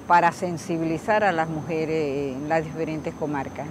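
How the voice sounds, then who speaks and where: A woman from Panama who leads indigenous women's groups speaks in interview testimony, measured and emphatic, setting out her points one by one. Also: low voice, fairly even intonation, background noise.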